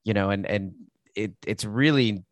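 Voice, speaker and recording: A man's voice: on the low side, moderate pace, no room sound. A man from Texas with a mild Texan accent, a guest actor chatting in an interview, friendly and earnest, often repeating his words as he goes. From Texas, USA. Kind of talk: casual interview chat.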